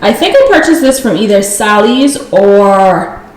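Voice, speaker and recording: A young woman talks through her hair routine in a loose, chatty vlog manner, stopping to correct herself and search for words as she goes. Her voice sits at an ordinary middle pitch. The recording carries a noticeable room echo with a faint hum underneath. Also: sing-song, a little slow. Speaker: beauty vlogger. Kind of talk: casual hair-care vlog. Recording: echoey home room, faint ambient noise.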